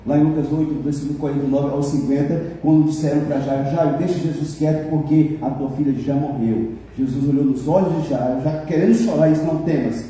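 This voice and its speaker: A male pastor preaching a lively sermon, joking and keeps asking the congregation for amens. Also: a little high, a little fast, few pauses, slight background noise. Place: large church hall. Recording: echoey hall from far off.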